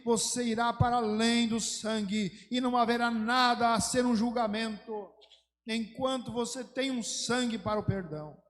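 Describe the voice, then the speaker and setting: Pastor guy preaching, kinda high voice, fervent storyteller, long echo in the church. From Brazil. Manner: fervent storytelling preaching that swells into emphatic exhortation. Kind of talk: sermon. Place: church sanctuary. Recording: long church hall reverb.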